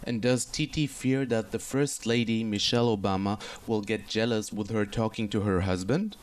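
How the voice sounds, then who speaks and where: A man's voice: fairly low pitch, steady tone, moderate pace, no echo. A man reporting as a TV news correspondent, delivering a scripted piece with a polished reporter's cadence, speaking into a handheld mic outdoors. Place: outdoor city street.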